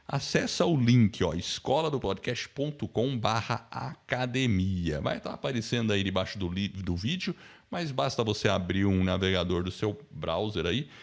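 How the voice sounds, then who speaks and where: Low, gravelly-voiced Brazilian man hosting. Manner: informal, repeats tag questions. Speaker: host, podcasting teacher. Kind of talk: casual live online class chat and promotion.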